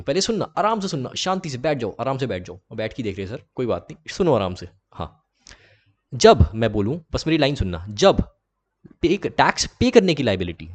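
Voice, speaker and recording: A young man giving a lecture, chatty and playful, addressing his students and acting out both sides of his examples. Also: medium pitch. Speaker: teacher.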